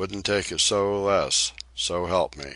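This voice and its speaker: In a put-on character voice, a man speaks gruffly at a fairly slow pace, his fairly low pitch rumbling. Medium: read story. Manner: gruff, grumbling.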